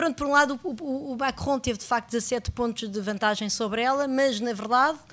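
This woman has a high pitch. She speaks at a fairly quick pace. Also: ordinary pitch variation. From Portugal. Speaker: economics professor. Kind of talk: book presentation talk. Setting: bookstore event with audience. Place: hall. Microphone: studio mic.

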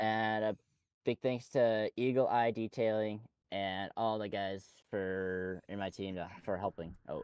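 In a normal speaking voice, a man talks at a fairly slow pace and fairly low pitch with fairly even intonation, the sound dry and close with no echo on a very clean recording with a silent background. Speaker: racing driver. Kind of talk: post-race interview. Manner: casual, conversational.

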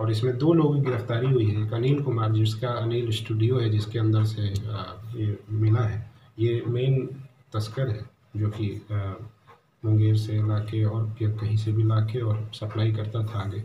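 A man speaks in a fairly low, monotone voice with flat intonation, at a fairly slow pace. Long, frequent pauses break up his speech, with light background noise and audible room echo. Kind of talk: press briefing answer. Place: office.

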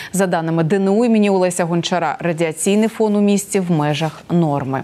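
In a dark, mellow tone, a woman speaks at a moderate pace with ordinary pitch variation. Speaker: news anchor. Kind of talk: news reading. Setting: studio. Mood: serious formal news tone. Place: studio.

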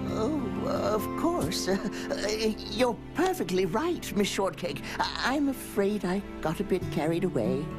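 Loud music plays in the background behind a cartoonish character voice at a fairly slow pace. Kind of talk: cartoon voice acting. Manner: courtly, old-fashioned, theatrical.

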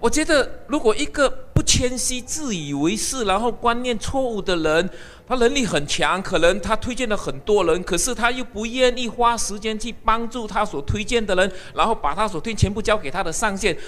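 Lively intonation marks a man with a high pitch and a Chinese accent, who speaks at a moderate pace. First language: Mandarin Chinese (speaking Vietnamese). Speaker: motivational speaker, network marketing leader; motivational speaker. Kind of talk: motivational speech to audience, interpreted. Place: hall.

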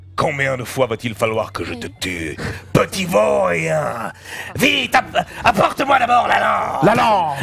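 A man speaks at a fairly slow pace with big swings in loudness against clear background noise. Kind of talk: impression of a French dub voice. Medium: game stream. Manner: menacing, contemptuous, impatient.

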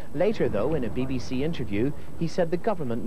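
A man speaks at a moderate pace with lively intonation and a fairly high pitch. Noticeable background noise runs underneath. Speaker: news correspondent. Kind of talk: news report voiceover. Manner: grave and measured. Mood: serious, measured.

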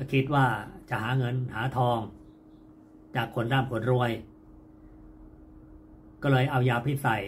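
A man's flat, monotone delivery over light background noise. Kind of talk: storytelling sermon. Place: home room. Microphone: phone near.

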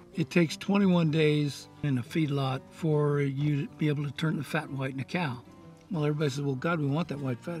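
Faint music plays behind a man who talks at a fairly quick pace with ordinary pitch variation, the sound dry with no echo. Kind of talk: interview answer. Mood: opinionated, emphatic. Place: car.

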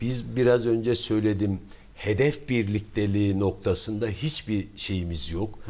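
Speaking at a very slow pace, the man has a fairly low pitch and ordinary pitch variation. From Turkey, Ankara. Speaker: politician. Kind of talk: political TV interview. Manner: hesitant, frequent fillers. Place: studio. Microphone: lapel.

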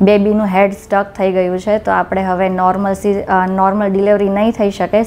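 There is noticeable background noise. A woman speaks at medium pitch in a monotone, flat intonation. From Gujarat, Saurashtra (Savarkundla). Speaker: amputee, motivational social media creator. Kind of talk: interview testimony.

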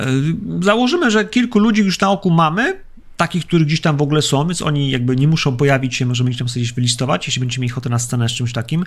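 His pitch swings very widely. This man speaks at a very fast pace. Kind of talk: game master narration and rules explanation. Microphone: webcam.

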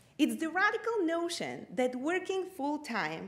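A woman talks with a Bulgarian accent. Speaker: economist. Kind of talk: public talk. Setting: stage with audience. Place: hall. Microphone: podium.

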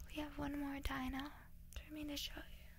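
A woman whispers at a moderate pace. Her tone is gentle and playful. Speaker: ASMR creator. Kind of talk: ASMR trigger words and soft vlog chat. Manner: gentle, playful ASMR soft voice. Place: home room.

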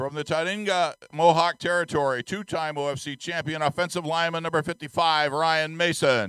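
The man's voice is fairly high, with a bright, sharp tone and fairly even intonation. His moderate-paced speech sounds dry and close, without echo. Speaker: stadium announcer reading lineups. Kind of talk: announcing.

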